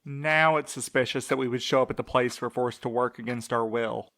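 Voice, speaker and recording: A man's voice: mid-range voice, steady tone, brisk, fairly bright tone, close to an everyday voice. Guy acting as a sarcastic mail courier, mid-range voice, wry n wordy, audio drama. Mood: sardonic. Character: wry, sardonic young male mail courier.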